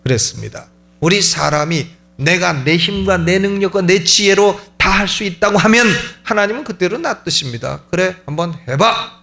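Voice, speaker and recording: Male pastor, middle-aged, animated sermon delivery, fairly high voice with some fry. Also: moderate pace. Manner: animated preaching, voicing quoted prayers. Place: church sanctuary.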